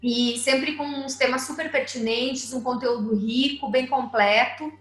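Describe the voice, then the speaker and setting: Bright-voiced woman hosting an interview. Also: high voice, echoey room. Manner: friendly, asks follow-up questions with personal examples. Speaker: blog host interviewer. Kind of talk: casual interview.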